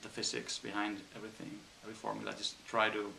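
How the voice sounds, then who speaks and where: A man from Spain with a Spanish accent, an engineer answering interview questions thoughtfully with frequent pauses and ums. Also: on the low side, monotone, creaky, sharp tone, echoey room, a little hiss or hum, poor audio. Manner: thoughtful, hesitant with many ums.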